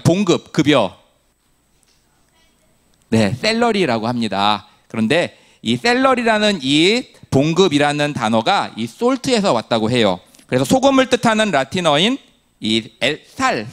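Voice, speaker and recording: A male pastor giving a sermon, asking the congregation questions and answering them himself, with humorous storytelling. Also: medium pitch.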